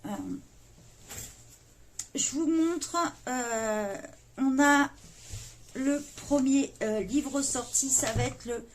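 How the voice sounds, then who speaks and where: A woman hosting a coloring channel, talking to viewers in a hesitant, earnest way with many pauses and fillers. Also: high voice, slight background noise. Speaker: YouTube coloring channel host. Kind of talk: casual video address to viewers.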